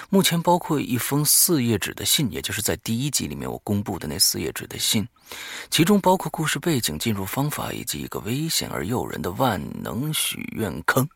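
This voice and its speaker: A man's voice: lowish voice, wildly swooping pitch, moderate pace, creaky, a bit bright, breathy edge, no echo, studio quality. A man hosting a horror audio show, reading a diary aloud dramatically and breaking off for offhand, muttered asides.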